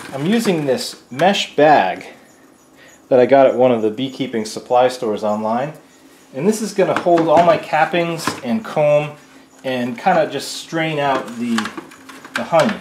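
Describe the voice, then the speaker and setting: There is noticeable background noise as a man speaks. His pace is fairly slow, with long, frequent pauses. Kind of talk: tutorial. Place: garage.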